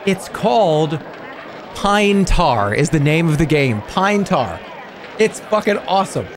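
Male streamer, 30s, rambling, cursing, fairly high voice, desk mic at home. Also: slow pace, a crowd in the background, noisy background. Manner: animated, rambling, swears a lot. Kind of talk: casual livestream chatter.

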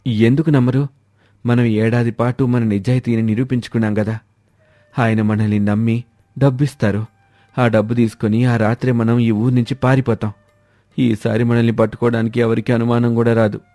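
A man playing a scheming village husband who poses as a holy man, smooth-talking and persuasive, in a storybook dialogue. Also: mid-range voice, flat delivery, normal speed, dark tone, lightly acted. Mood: sly, persuasive. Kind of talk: scripted animated moral-story dialogue. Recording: background music under the voice.

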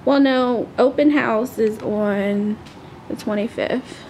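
A woman's voice: a little high, takes it slowly, a little mellow, slight background noise. A young woman and mother chatting casually in a home vlog, rambling with lots of ums. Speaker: vlogger, mother. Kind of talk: casual family vlog chat. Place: home living room.

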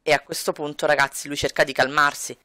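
A woman's voice: low-pitched, flat delivery, quick pace, sharp tone, no echo, clean studio sound. A woman narrating a life-sim game in casual commentary, chatty and explaining, often addressing her viewers directly. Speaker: let's play narrator.

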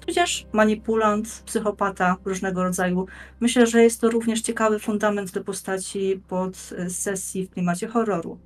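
A woman's voice: medium pitch, steady tone, normal speed. Young woman explaining over background music. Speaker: guest panelist on a role-playing games show. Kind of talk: prepared explanation in a podcast discussion. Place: indoors, plain room, video call.

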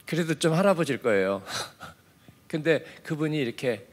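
A male pastor delivers an early-morning sermon in church, talking conversationally and sprinkling in affirming fillers as he shifts from soft asides to emphatic points. His voice sits fairly high, animated, at a normal speed.

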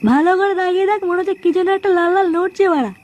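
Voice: extremely high pitch, very fast, a little mellow. A performer voicing a brash, hot-tempered, foul-mouthed young man in a comic cartoon. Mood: challenging. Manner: brash, swearing, scolding.

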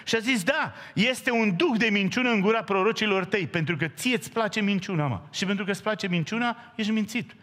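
A man preaching a sermon in a church, telling a Bible story with lively acted-out dialogue and direct questions to the congregation. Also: high-pitched, few pauses. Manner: animated storytelling, acting out biblical dialogue in raised voice. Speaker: pastor. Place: church hall. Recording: church hall reverb.

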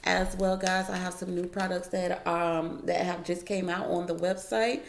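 Lady doing a tarot reading at her kitchen table, kinda gravelly low voice, roomy echo. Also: flat delivery, moderate pace, background noise. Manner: chatty, addresses viewers as y'all, muses over cards aloud. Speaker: tarot reader. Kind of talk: casual tarot reading to camera. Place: home, at a wooden table.

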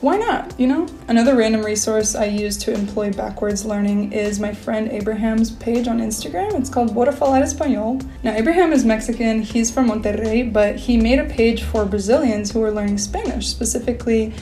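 Talking to the camera from a small indoor bedroom, a native English-speaking woman in her twenties chats fairly quickly, hardly pausing. Her voice is a little high, her speech packed with fillers, and her hands gesture animatedly throughout this casual vlog.

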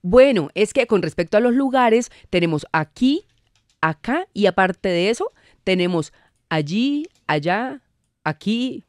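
A woman's voice: mid-range voice, animated, measured pace, no echo. A Colombian woman explaining spelling rules patiently as a guest on a radio show, speaking in a studio. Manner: patient, didactic, laughs easily.

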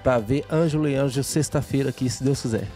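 A man's voice: medium pitch, fast talker, mellow, faint music behind. A middle-aged man, a guest singer speaking politely and earnestly in a studio on a handheld mic. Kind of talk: casual TV interview. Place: TV studio set.

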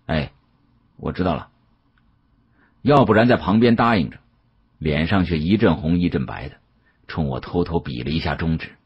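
A man narrates an audiobook in a very low, heavily husky voice. His intonation is lively and expressive. The sound is a little dull. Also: a little fast. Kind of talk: expressive scripted first-person narration.

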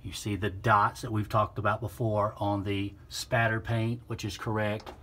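A man's voice: on the low side, little pitch movement, normal speed, a bit bright, slight background noise. A man, the channel's host, walks around a car in an old barn, explaining its details plainly and methodically while filming on a phone. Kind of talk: walkaround narration while filming. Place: old open barn, indoors and out. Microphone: handheld phone camera.

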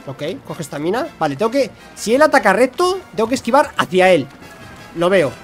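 Young male streamer, high and animated, excitable running play-by-play. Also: fairly quick, faint music behind. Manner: excitable, talks to himself and the creatures. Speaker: gaming streamer. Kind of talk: live gameplay commentary.

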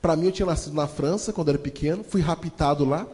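A man telling a comic life story to a live audience as a motivational speaker, lively and theatrical, often turning to address the crowd. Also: on the high side, quick pace. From Brazil. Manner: animated, addresses audience as "gente", acts out voices. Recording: long hall reverb.

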